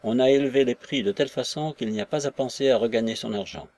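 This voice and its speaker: A man's voice: mid-range voice, quick pace, a little mellow, lightly acted. Man reading a wry old white-bearded peasant. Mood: grumbling. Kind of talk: audiobook character reading.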